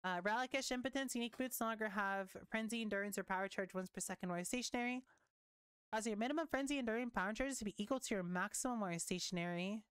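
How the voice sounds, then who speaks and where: A young woman talks through game update notes in a loose, reactive way, tossing in casual swears. Her voice is smooth and clear but starting to wear out. It is recorded close and dry, with no room sound. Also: medium pitch, fast talker, no echo. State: losing her voice. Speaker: gaming content creator. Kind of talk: casual commentary reading patch notes.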